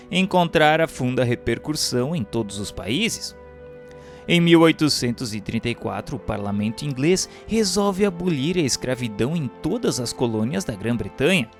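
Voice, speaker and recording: A man reading scripted narration in a formal, solemn, measured manner. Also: medium pitch. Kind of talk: scripted audiobook-style narration of a spiritual history text. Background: instrumental music.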